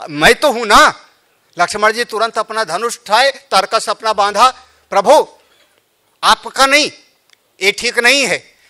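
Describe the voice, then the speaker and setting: A man's voice: sits high, pushed and bright. A man, a Hindu spiritual leader, telling a scripture story as a sermon, with chatty joking asides to his listeners.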